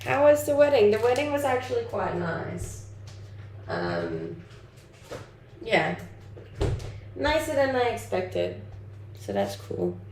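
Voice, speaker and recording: This young Danish content creator, whose native language is Danish, has a fairly high, slightly mellow voice with big pitch swings. She takes her time, leaving long pauses as she informally reads and answers comments on her livestream. The recording sounds echoey, with faint background noise.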